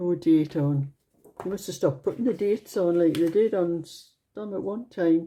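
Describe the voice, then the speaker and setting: This woman has a dark, mellow tone and a fairly low pitch, with a British accent. She talks at a moderate pace with ordinary pitch variation. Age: 70s. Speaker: knitting video maker. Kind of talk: casual show-and-tell. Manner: meandering, conversational.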